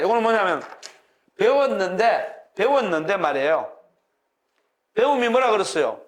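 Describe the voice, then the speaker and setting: A man in his sixties giving a classroom lecture as a university professor, folksy and animated, checking in with his listeners and chuckling as he explains. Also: sits high.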